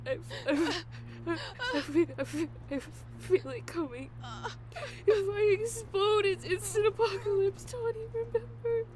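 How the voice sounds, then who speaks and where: Woman acting very high-voiced, dying, tearful reaper. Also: a little mellow, slight background noise. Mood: pleading, strained. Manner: tearful, halting, strained speech with stammered repeats. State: crying, in pain. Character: dying female reaper demigod, wounded, devoted, wry. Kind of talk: audio drama acting.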